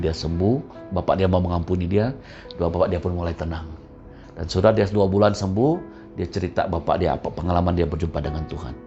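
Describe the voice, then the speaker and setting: A male pastor tells a sermon story in a low, gravelly voice, acting out the voices of his characters. The recording is slightly muffled, with soft music in the background.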